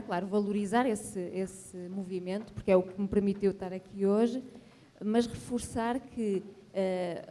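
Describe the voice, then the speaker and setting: A woman's voice: medium pitch, mellow. A woman from Portugal with a European Portuguese accent, a professor speaking formally and reflectively from the audience at a panel. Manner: formal, reflective, with frequent tag questions. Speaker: graduate professor asking a question.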